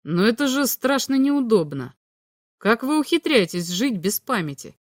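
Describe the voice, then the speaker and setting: A woman's voice: a little high, very animated, normal speed. A curious, skeptical man from a storybook asks pointed questions in plain, everyday speech, as a woman reader voices him. The sound is dry and close, with no room echo. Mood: puzzled questioning. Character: curious skeptical male earthling narrator-fisherman. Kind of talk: audiobook reading.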